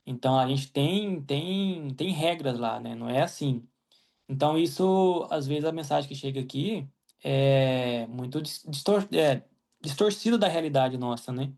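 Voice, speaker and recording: On the high side and gravelly yet a little mellow, this man's voice belongs to a young Brazilian from Mato Grosso. As an interview guest and an agronomist living in Ireland, he replies casually in Brazilian Portuguese, with frequent restarts, fillers and "né?" tags.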